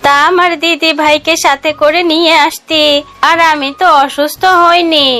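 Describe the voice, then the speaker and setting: A woman's voice: high voice, steady tone, moderate pace, pushed and bright, faint music behind. Woman playing a kindly old grandmother fox. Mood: fond. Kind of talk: children's cartoon dubbing.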